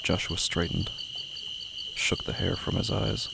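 Male actor as horror narrator, deep, heavily creaky, brooding, dramatic, lively pitch movement, loud insect-filled background noise. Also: a little slow, full character voice. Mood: somber. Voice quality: gravelly. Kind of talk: scripted literary narration, horror audio drama.

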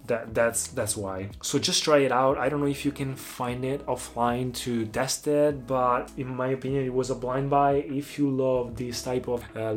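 A man in his twenties from Italy with an Italian accent, native Italian speaker, reviewing fragrances in English in a casual, enthusiastic, emphatic way. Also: mid-range voice. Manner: enthusiastic, emphatic, drawn-out phrasing.

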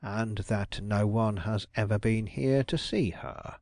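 A shrewd detective draws out his questions slowly and suavely, as a man reads him, every word deliberate and courteous. The voice sits in a middle range and is recorded close and dry, like a storybook character. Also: fairly low pitch, gravelly, a little mellow, no echo.

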